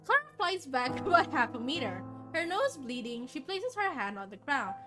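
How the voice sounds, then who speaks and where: High, animated woman streamer reading aloud. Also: normal speed. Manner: dramatic narration broken by chatty reactions. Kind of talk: reading a visual novel aloud, casual asides. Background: game music.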